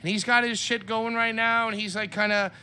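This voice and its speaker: A man in his thirties co-hosting a casual wrestling chat, excitable and blunt, swearing freely. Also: high-pitched, a little fast, slight background noise. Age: 30s. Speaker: podcast co-host.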